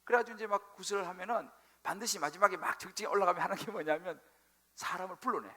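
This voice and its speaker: A male pastor preaching a sermon, telling the story with animated, acted-out quotes. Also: high-pitched, fast. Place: church sanctuary.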